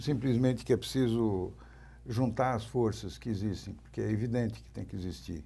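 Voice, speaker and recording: In a room with audible echo, a man with vocal fry and a dark, mellow tone speaks at a moderate pace and a fairly low pitch. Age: 60s. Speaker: journalist. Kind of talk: TV panel discussion.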